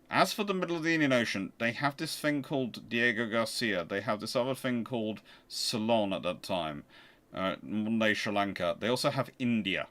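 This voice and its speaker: A man's voice: medium pitch, sharp tone. Emphatic man talking casually live. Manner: emphatic, argues through rhetorical questions. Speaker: host of a naval history channel. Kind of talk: casual live question-and-answer talk.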